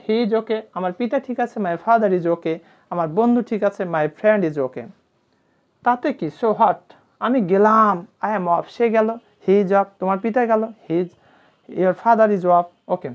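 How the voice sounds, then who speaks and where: A woman teaching a spoken English lesson, repeating each English phrase slowly and carefully. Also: medium pitch. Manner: slow, deliberate repetition of English phrases. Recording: dull lo-fi recording.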